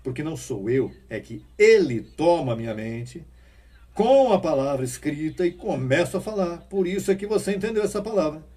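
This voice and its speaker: A man's voice: a little high, expressive, normal speed, darkish tone, husky. Preaching man heard from a distance. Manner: emphatic preaching, rising bursts and rhetorical questions. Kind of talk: sermon.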